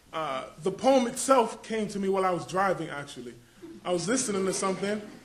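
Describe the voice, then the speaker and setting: A man with a New York accent and a high pitch. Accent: American, New York. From Rochester, New York. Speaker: poet, writer, activist, educator. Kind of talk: talking to an audience, introducing a poem. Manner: casual, conversational.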